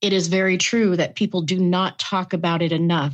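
Against a quiet background, a woman with an unremarkable speaking voice talks at a moderate pace with a fairly low pitch and fairly even intonation. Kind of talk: live interview questions, testimony.

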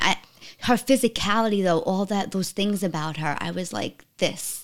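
Recorded very cleanly against a silent background, a woman at medium pitch talks with a New York accent. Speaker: stand-up comedian. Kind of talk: casual chat. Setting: host's home.

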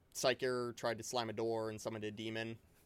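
The speaker has a Chicago accent. The pace is moderate. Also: man. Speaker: podcast co-host, tabletop gamer. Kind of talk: casual chat.

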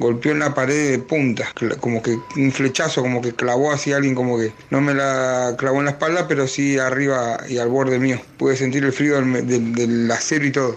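A medium-pitched man speaks in a flat monotone at a moderate pace, with very even loudness and hardly any pauses, over noticeable background noise. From Argentina, Río Negro. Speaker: caregiver, listener sending a story. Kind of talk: recorded personal story.

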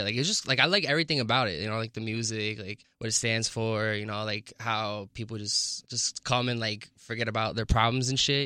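With a bright, sharp tone, a man speaks at a medium pitch and a very fast pace. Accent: American. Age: 20s. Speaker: DJ. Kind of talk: casual chat.

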